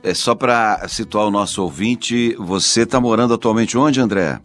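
A man's voice: on the low side, moderate pace, a bit bright. A Brazilian man hosting a radio interview with a polished announcer delivery. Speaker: radio host.

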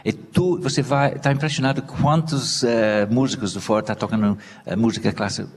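A British cellist with an English accent, speaking non-native Portuguese haltingly, with many restarts as he searches for words. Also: medium pitch, fairly even intonation. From Britain. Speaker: cellist and festival organizer. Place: theater stage. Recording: reverberant hall with light noise.

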